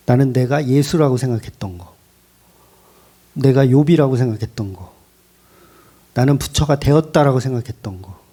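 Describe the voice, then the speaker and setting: A man preaching a sermon as pastor, in an animated way with rhetorical questions and emphatic repetition. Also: medium pitch, husky. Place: church.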